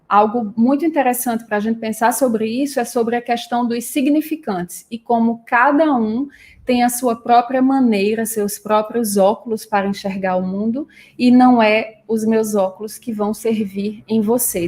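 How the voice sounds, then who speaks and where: A Brazilian woman with a slightly high voice talks through family situations in a calm, measured way. She explains patiently during a live broadcast, the way a psychoanalyst teaches. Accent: Brazilian Portuguese. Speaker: psychoanalyst hosting a live talk.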